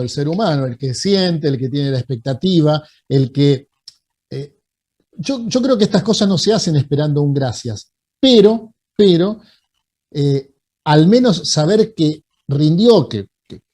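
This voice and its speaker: A man with a Rioplatense accent hosting a relaxed interview, thinking aloud and building his points in lists. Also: on the high side, measured pace. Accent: Rioplatense Spanish. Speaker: host. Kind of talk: casual interview chat.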